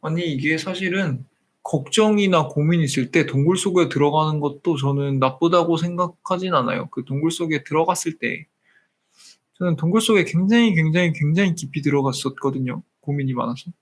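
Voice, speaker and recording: A man's voice: a little high, fairly quick. A 30-year-old man hosting a live stream, chatting casually with viewers and slipping between polite and informal speech.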